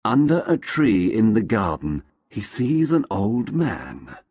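Man reading a story for english learners, lowish voice, slow and clear, pitch moves a lot, dry close sound. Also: sing-song, a little mellow, no room sound. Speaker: narrator.

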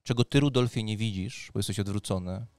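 A man's voice: on the low side, a little fast, a little mellow, smooth, no room sound. A man in his thirties works as game master, narrating a role-playing session into a close microphone. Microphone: close studio microphone on a boom arm, headphones. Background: faint background music.

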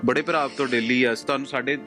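A man's voice: mid-range voice, fairly even intonation, fast talker, sharp tone, faint music behind. A man reporting on the spot from a flooded village, consoling the people he interviews in short, broken phrases. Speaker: news reporter.

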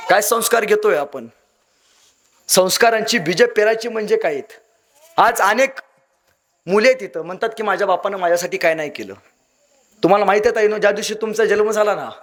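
A man's voice: high voice, a bit bright. A young man from Maharashtra, giving a motivational speech full of acted-out stories and emotional swings. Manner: dramatic, acts out voices in anecdotes, emotional swings. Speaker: motivational speaker.

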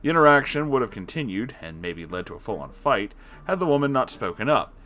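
A man's voice: mid-range voice, big pitch swings, fairly quick, bright, forceful tone, soft background music. A man reading an online story aloud, adding sarcastic asides of his own between passages. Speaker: story reader.

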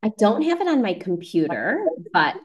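A woman's voice: medium pitch, very animated, moderate pace. A woman casually hosting a video call in a reassuring, encouraging way. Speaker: online event host.

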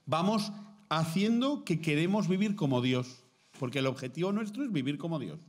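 A somewhat high-voiced man from Spain, a priest and theology teacher, speaks to a room of nuns. His delivery is animated and story-driven, and he slips into voices for quoted speech. He pauses often to check in with a quick questioning hum. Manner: lively storytelling with acted quotes, frequent "¿mm?" check-ins. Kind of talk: formative talk to contemplative nuns. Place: seminary lecture hall.

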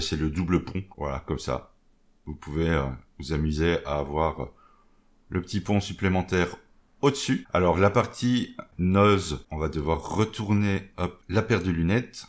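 A man talking through a software tutorial in a relaxed way, narrating each step as he goes with little interjections and stumbling over English terms. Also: low voice. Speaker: maker explaining a software tool. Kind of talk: screen-recorded tutorial.

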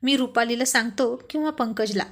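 A nervous, defensive young man in a storybook reading, voiced by a woman narrator. His tone is set a bit high and hurries to explain himself. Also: moderate pace, a bit bright. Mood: reassuring. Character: anxious young man evading his sister.

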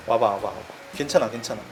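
A man's voice: fairly low pitch, fairly quick, over music. A man chatting casually from behind the camera as the operator, picked up off-mic. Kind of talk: casual behind-the-scenes chat.

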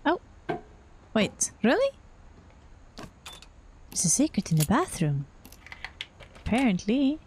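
A woman's voice: a little high, big pitch swings, normal speed, long pauses, darkish tone, a little hiss or hum. A young woman streaming a game, musing aloud with murmurs and casual reactions. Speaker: gaming streamer. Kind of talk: casual let's-play commentary.

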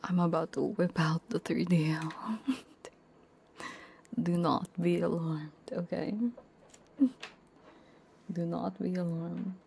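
Slow, whispery woman ASMR streamer. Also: fairly low pitch, level tone, a little hiss or hum. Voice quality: soft whisper, breathy when whispering. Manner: playful, giggly. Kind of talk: whispered ASMR, casual chat with viewers. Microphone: close binaural ear microphone.

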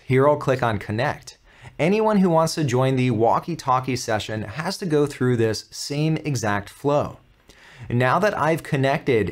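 A man in his thirties with an American accent, hosting a step-by-step software tutorial in an upbeat, clearly articulated, instructional way. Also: fairly high pitch. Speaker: tutorial host.

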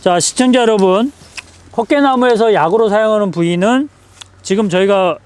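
A man, a herbal medicine professor, lively and teacherly, explaining herbs outdoors on a farm and quizzing the people with him. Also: high voice, normal speed, smooth.

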